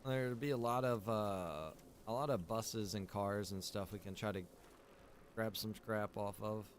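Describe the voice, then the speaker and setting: A man's voice: on the low side, unhurried. A man giving casual livestream game commentary, with mild exclamations and joking asides to his viewers. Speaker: livestream gamer. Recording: clear background noise.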